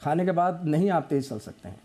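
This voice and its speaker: Doctor guy on a tv panel, kinda high mellow voice, firm, repeats himself in lists. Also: lively intonation, brisk. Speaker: doctor guest. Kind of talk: expert advice on a panel.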